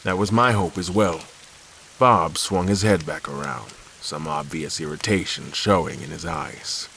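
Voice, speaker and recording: A deep male voice tells a captive's story in the first person. He is brooding and calculating, choosing formal words with deliberate care. Faint hiss and rain sit behind this audio drama narration. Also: gravelly, fairly bright tone, full character voice, low-quality recording. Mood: brooding, resolute.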